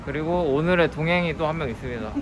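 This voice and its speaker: A man's voice: on the high side, quick pace. A young man talking through a face mask, casually narrating a travel vlog to a handheld camera and joking with his companion. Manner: chatty, playful asides to his companion. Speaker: travel vlogger. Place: outdoors in a busy seaside area. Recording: outdoor recording with loud background noise.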